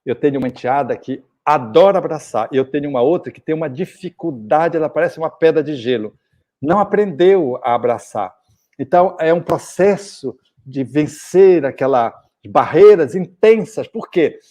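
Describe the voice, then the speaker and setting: A man's voice: fairly high pitch, lively intonation, normal speed, mellow. A middle-aged man from Brazil giving a spiritist lecture, telling anecdotes and acting out short bits of dialogue.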